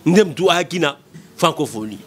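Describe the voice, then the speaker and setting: Emphatic high-voiced Congolese man. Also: expressive, moderate pace, a little hiss or hum. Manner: emphatic, repetitive, gesturing. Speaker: political commentator. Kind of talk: impassioned political commentary. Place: small studio. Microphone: desk mic in front.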